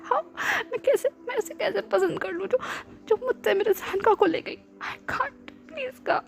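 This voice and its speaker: A woman's voice: extremely high pitch, unhurried, creaky, faint music behind, pitched above the performer's own voice, heavily acted. A woman voicing a drunk, tearful young man who pleads with his lover, stammering and mixing in English words. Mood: pleading, tearful. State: drunk and crying.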